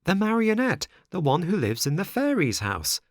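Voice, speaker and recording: Guy doing a little wooden puppet boy for a storybook, high pitched, whiny pleading, super impatient and dramatic. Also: huge pitch swings, normal speed, no echo, clean studio sound, full character voice. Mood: anxious. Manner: pleading, exclamatory.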